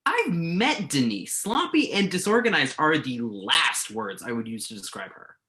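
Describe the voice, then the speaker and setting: Man acting a self-doubting, animated journalist. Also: on the high side, normal speed. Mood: puzzled, sympathetic. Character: remorseful male entertainment journalist, self-doubting, argumentative, earnest. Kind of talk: virtual staged play reading.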